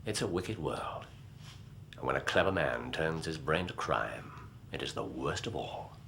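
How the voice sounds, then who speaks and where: A clipped, commanding detective; very low, gravelly voice, faint noise behind. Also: male voice, expressive, unhurried, sharp tone, heavily acted. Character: sharp, commanding male detective, middle-aged. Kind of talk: radio drama acting.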